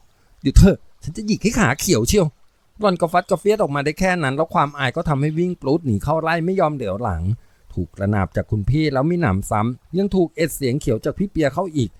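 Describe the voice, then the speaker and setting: A man reads a novel aloud as an expressive storyteller. His voice is animated and moves a lot, sitting slightly high for a man. The recording is dry and close. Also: fast talker, no echo. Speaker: narrator. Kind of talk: audiobook novel reading.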